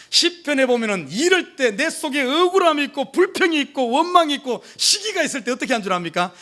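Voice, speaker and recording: A male pastor preaching to his congregation, emphatic, with many rhetorical questions, swinging from urgent pleas to hushed asides. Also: extremely high pitch. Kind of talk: sermon. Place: church service.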